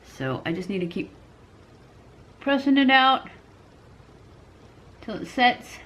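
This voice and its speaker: Bright-voiced chatty woman in her fifties. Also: on the high side, animated, slow. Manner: chatty, rambling, self-correcting. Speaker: beauty vlogger. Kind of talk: casual makeup review to camera.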